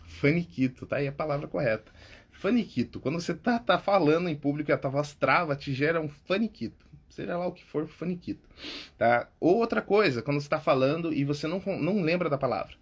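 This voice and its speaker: A man's voice: fairly high pitch, animated, fast. A Brazilian man, a public speaking coach and podcast host, giving tips in a casual, informal way, often checking in with "tá?" and "cara". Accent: Brazilian Portuguese.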